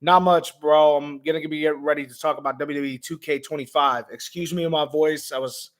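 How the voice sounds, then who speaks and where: A man who is hoarse and raspy, hosting a laid-back gaming vlog livestream with lots of ums, talking to viewers as man and bro. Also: fairly high pitch, steady tone, a little fast. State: hoarse, lost voice. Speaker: gaming vlogger host. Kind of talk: casual livestream chat.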